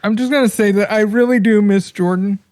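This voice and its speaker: A woman's voice: mid-range voice, brisk, a little mellow. A woman hosting a podcast stream, teasing her co-host in dry, mock-serious comedic banter.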